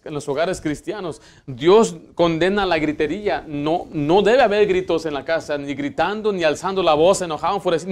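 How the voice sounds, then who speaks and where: Man, pastor, high voice, earnest sermon, asks the congregation questions. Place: church sanctuary.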